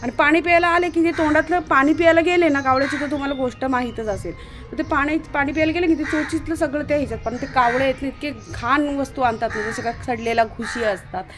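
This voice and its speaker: A woman vlogging casually outdoors at home while doing chores, talking straight to her viewers and calling loudly to her dog. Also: sits high, fast, music in the background. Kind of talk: casual home vlog narration. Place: outdoors at home, washing dishes in the morning.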